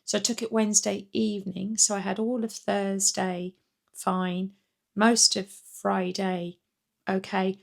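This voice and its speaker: A middle-aged woman with a croaky voice from a cold, giving a rambling, chatty vlog update full of ums and restarts. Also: mid-range voice, little pitch movement, a little slow. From Britain. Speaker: weight-loss vlogger.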